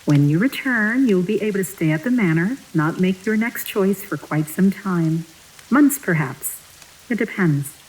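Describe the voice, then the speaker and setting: An actress playing a poised, diplomatic agent of a mysterious prison manor, formal and controlled, in an audio drama. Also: female voice, medium pitch, animated, a little slow, a little mellow, lightly acted, low-quality recording. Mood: placating.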